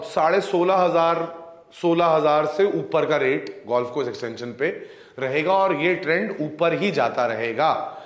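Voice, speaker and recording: A man's voice: fairly high pitch, echoey room. A man in his thirties, a real estate agent with an Indian accent, giving a casual, jokey sales talk that mixes Hindi and English.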